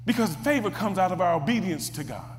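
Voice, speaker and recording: A preacher with a strikingly high voice delivers a sermon, stumbling over and repeating words as he builds toward shouts. His voice rings out with a long echo, as in a large hall. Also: animated, fast, a little hiss or hum.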